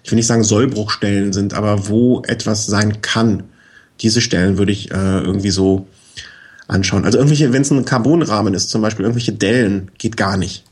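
A man with a husky, slightly breathy voice that sits on the low side walks through his advice in a relaxed, conversational way. He explains things step by step and keeps dropping in little tag questions and fillers as he talks. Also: moderate pace. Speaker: bicycle expert guest. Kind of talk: casual explanatory chat.

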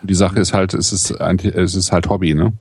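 A man in his forties talks casually and haltingly, with fillers and restarts. His voice is very deep and gravelly, recorded dry and close. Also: steady tone, darkish tone, no room sound. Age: 40s. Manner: hesitant, halting with many fillers. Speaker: podcast co-host. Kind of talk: casual chat.

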